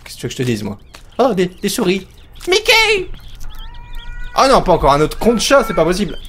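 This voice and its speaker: A man commentating a horror game as he plays it, jokey and excitable, talking to himself. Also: sits high, very fast, slight background noise. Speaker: let's play host.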